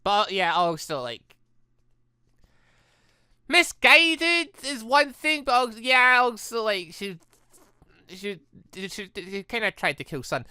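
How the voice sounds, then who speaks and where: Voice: medium pitch, lively intonation, takes it slowly, long pauses, pushed and bright, clear, resonant tone, no echo, clean studio sound. A let's play host casually commenting on a visual novel and reading its dialogue aloud, rambling and repeating words as they react. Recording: game music behind the voice. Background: background music from the game.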